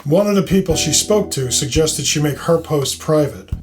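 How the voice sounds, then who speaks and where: A middle-aged male police detective from New York, acted out by a male narrator, blunt and full of smartass remarks. His voice sits on the high side, in the style of a fiction podcast with music around it. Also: animated, normal speed, lightly acted. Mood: concerned. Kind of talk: audio fiction character dialogue.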